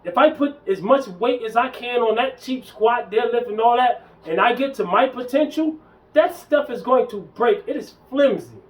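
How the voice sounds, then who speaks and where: A man in his early forties rants in a fairly high voice, slangy and preachy, often circling back to hammer the same point. He sounds set back from the mic, a little distant in the recording. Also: animated, moderate pace. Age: 40s. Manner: emphatic, preachy, slangy, repeats himself. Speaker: fitness vlogger. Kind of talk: casual ranting monologue.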